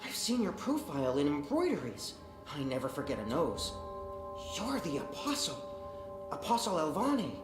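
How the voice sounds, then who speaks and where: Game role: nervous male engineer, high swooping voice, stammering, rambling, music behind. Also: wildly swooping pitch, moderate pace, roomy sound. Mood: flustered, awed. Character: nervous, scared, chatty male lead engineer.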